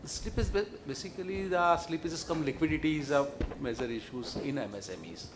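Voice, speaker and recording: A man's voice: a little high, fairly quick. A man with an Indian accent answering questions as a bank executive, emphatic and repeating words. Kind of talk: question-and-answer with press or analysts. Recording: clear background noise, room ambience.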